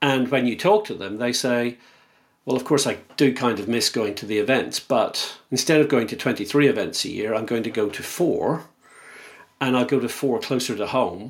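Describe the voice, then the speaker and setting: A man with a Northern Irish accent speaks at a moderate pace. His pitch is medium, with ordinary variation. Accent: Northern Irish (Belfast). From Northern Ireland, Belfast. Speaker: motorsport executive and conference speaker. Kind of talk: interview conversation.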